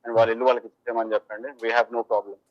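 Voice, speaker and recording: A man being interviewed over the phone for the news, explaining his side in animated conversational speech. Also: medium pitch, racing. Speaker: phone interviewee, supporter at a protest. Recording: dull, band-limited phone audio.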